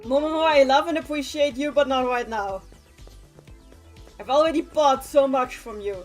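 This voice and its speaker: A woman streaming a video game, chatting casually and reacting out loud to the characters on screen. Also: sits high, normal speed, soft background music. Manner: animated, talks back to game characters, exclaims. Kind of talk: casual let's-play commentary.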